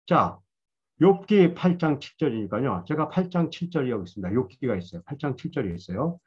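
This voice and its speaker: A man's voice: mid-range voice, very animated, brisk, darkish tone, slightly rough, muffled recording. A man giving a Bible lecture in a conversational, storytelling way, admitting his own past mistakes. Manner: conversational, self-deprecating storytelling.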